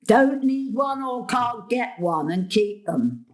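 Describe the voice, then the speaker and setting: A woman's voice: a little high, lively intonation, slow pace. An actress playing a mischievous, sarcastic old grandmother who needles her family in a stage comedy-drama. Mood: needling.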